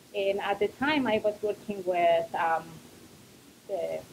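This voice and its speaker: A woman with a Spanish accent speaks at a moderate pace, her medium-pitched voice carrying lively intonation. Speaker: health educator. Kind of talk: testimony. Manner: halting.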